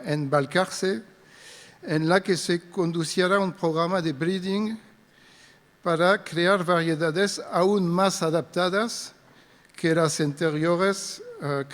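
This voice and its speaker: A middle-aged man with a French accent, speaking Spanish as a second language and giving a careful, hesitant conference talk. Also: a little high. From France. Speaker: invited speaker, wheat breeder. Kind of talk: conference presentation. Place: conference hall. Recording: long reverb of a large hall.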